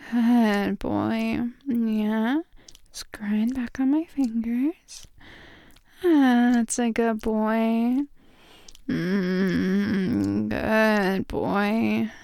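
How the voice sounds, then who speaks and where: Slow, intimate woman with a creaky murmur. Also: on the high side, no room sound. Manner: breathy murmurs, soft whispering, drawn-out cooing praise. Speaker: erotic audio performer playing a dominant, affectionate lover. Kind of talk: intimate erotic audio roleplay addressed to the listener.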